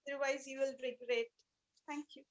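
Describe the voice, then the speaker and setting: A woman who is a non-native English speaker, giving a rehearsed personal speech in an earnest, emotive way with deliberate repetition. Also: high voice, steady tone, muffled recording, slight background noise. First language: not English. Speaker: speech club participant giving a practice speech.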